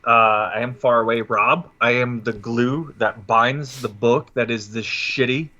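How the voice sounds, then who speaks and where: A man's voice: medium pitch, fairly even intonation, a little slow, sharp tone, muffled recording, a little hiss or hum. A man chatting casually and jokingly as a remote player on a tabletop game podcast. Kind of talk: casual chat.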